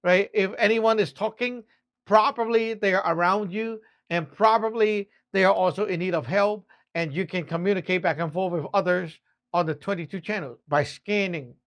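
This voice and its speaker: A Taoist master from Hong Kong talks in casual explainer fashion, with a clear Hong Kong accent and a Cantonese speaker's English. The delivery is loose and conversational, often checking in with the listener mid-thought. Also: medium pitch, moderate pace. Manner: chatty and loose, often asks "right?".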